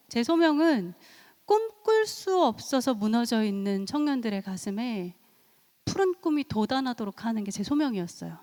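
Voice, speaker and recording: Middle-aged woman, church seminar talk, lively storyteller, fairly high voice, long hall echo. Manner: lively storytelling, acts out quotes, laughs often. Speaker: seminar speaker and counselor.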